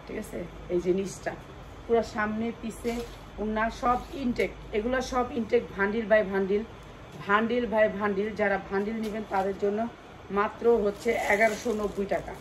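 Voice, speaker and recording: A woman with a Bangladeshi accent doing an insistent hard-sell live sales pitch for wholesale clothing, repeating key phrases and prices over and over. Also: slight background noise, rough recording. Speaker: clothing wholesale seller presenting stock.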